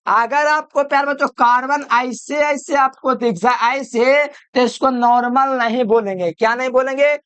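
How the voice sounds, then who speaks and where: A man's voice: extremely high pitch, normal speed, few pauses, a bit bright, clear, resonant tone, dry recording. A man giving a chemistry video lecture, repeating each point and quizzing the listener with call-and-answer questions. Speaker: chemistry teacher. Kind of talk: classroom-style video lecture.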